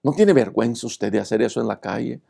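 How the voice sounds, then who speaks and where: A man's voice: mid-range voice, quick pace, gravelly, mellow, husky. A man voicing a stern elderly woman who scolds reproachfully.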